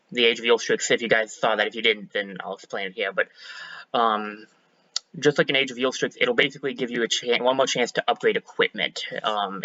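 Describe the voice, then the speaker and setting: Casual male game streamer, slightly hoarse, bright tense tone, thinks out loud; dry, dull home mic. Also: lowish voice, no room sound. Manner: chatty, self-correcting, thinks aloud. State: a bit hoarse. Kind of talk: casual let's-play commentary.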